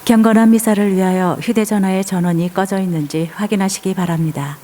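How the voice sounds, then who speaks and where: A woman reading formal liturgical announcements as commentator at a Catholic Mass, in a measured way. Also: medium pitch, steady tone, mellow, slight background noise. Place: church.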